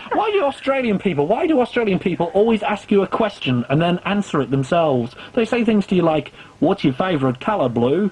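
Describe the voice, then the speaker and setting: An upbeat, fairly quick delivery with very wide pitch swings over noticeable background noise. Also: man. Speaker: radio DJ. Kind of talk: radio show hosting. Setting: radio broadcast. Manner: upbeat, jokey.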